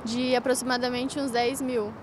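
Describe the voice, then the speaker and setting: A woman's voice: on the high side, little pitch movement, moderate pace, background noise. A sixteen-year-old girl with a Southern Brazilian accent, answering an outdoor interview into a handheld mic, earnest and a little hesitant. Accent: Southern Brazilian Portuguese. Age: teenager, 16. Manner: earnest, slightly hesitant with fillers. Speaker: interviewee, karate athlete. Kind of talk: street interview. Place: outdoors by a street. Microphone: handheld reporter mic.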